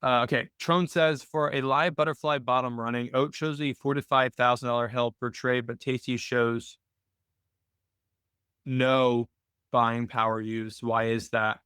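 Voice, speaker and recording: A man with a clean, smooth voice at a middle pitch hosts an informal question-and-answer session. He talks in a conversational, explanatory way, working through his thoughts out loud. The sound is dry, with very little room in it. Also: steady tone, measured pace, no echo. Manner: conversational, explanatory, thinking aloud. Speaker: host of a trading Q&A call. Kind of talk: casual explanatory screen-share Q&A.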